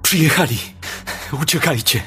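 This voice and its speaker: A man's voice: mid-range voice, moderate pace, fairly bright tone, soft background music, lightly acted. Man voicing a frightened, urgent father. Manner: urgent, pleading. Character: frightened father hiding his family. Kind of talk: audiobook character voice.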